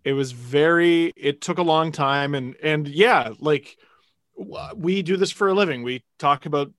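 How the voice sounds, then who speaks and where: A man co-hosts a sports podcast in a casual, conversational style. His voice is a little higher than most men's, and it is recorded dry, with hardly any room sound. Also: unhurried, fairly bright tone, no room sound. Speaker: podcast co-host.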